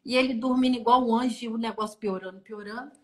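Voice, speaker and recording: Middle-aged lady on a phone live stream, kinda high voice, super animated storytelling. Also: quick pace, noisy background. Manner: animated, acts out dialogue and sounds. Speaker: guest sharing a testimony. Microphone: phone on an online live stream.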